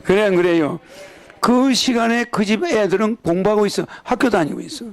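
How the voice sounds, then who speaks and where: A man's voice: high voice, moderate pace. An older man with a Gyeongsang accent, preaching a sermon as a religious leader in a rambling way, often checking in with his listeners through tag questions. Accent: Gyeongsang Korean. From Gyeongsang region, South Korea.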